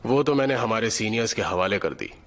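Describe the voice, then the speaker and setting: A man voicing a serious teenage student in an anime fan dub, speaking in a flat, matter-of-fact way. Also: on the low side, a little fast, a little hiss or hum.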